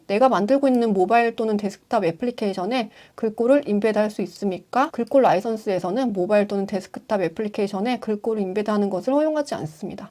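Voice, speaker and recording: A woman's voice: mid-range voice, warm tone. A woman designer explaining font licensing in a tutorial. She reads formal passages aloud and then restates them in casual, conversational speech. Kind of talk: explanatory tutorial, reading out and paraphrasing.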